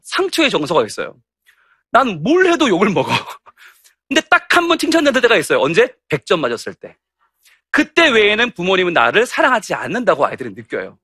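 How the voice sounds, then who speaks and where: High-pitched, animated male pastor. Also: fairly quick, no room sound, clean studio sound. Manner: animated and humorous, acting out anecdotes. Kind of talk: lively lecture to church teachers.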